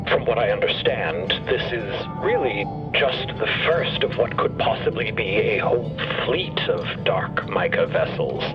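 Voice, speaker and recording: A man playing a thoughtful, courteous professor who talks formally and haltingly in an audio drama. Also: lowish voice, animated. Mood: thoughtful, hopeful. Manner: formal, measured, halting between phrases. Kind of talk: narrative fiction podcast acting. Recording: dull sound under music bed.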